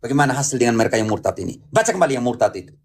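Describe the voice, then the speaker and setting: A man's voice: mid-range voice, sing-song, rapid-fire, slightly rough. A man preaching as a Catholic Bible teacher, emphatic, repeating phrases and prompting with questions. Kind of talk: interactive Bible teaching, apologetics.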